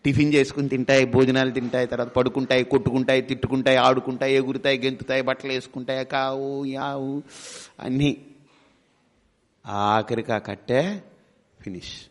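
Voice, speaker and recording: A man's voice: mid-range voice, little pitch movement, a little fast, pauses often. A man giving a spiritual discourse, telling stories animatedly, acting out family members and asking rhetorical questions that he answers himself. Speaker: spiritual teacher.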